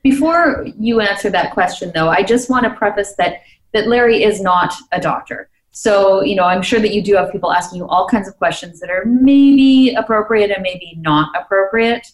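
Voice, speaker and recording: A woman co-hosts a casual talk show in an upbeat, chatty way. Her pitch is mid-range, and the recording carries a noticeable room echo. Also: moderate pace. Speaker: co-host.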